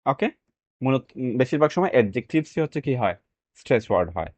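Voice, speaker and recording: A man's voice: mid-range voice, big pitch swings, fast, darkish tone, dry recording. A man teaching a reading lesson in casual speech, dropping English phrases in as he explains. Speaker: IELTS reading tutor. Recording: dry, dull lo-fi sound.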